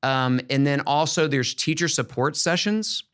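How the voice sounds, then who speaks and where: A middle-aged American man, a former school principal, hosts an educational podcast in a conversational, upbeat and emphatic way. His voice is a little high, fairly bright and clean, with a measured pace.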